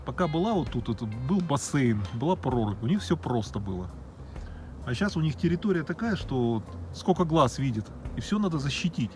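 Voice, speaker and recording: A man's voice: medium pitch, big pitch swings, moderate pace, soft background music. A man giving casual live commentary on what he watches, wondering and exclaiming aloud in a conversational way.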